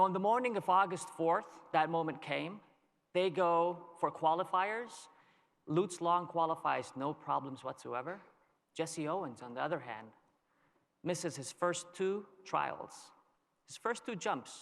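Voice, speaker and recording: A man from Lebanon giving a conference keynote, telling a story in a measured way with dramatic pauses. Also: a little high, lively intonation, gravelly, a bit bright. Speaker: keynote speaker. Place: large conference hall. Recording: long reverb of a large hall.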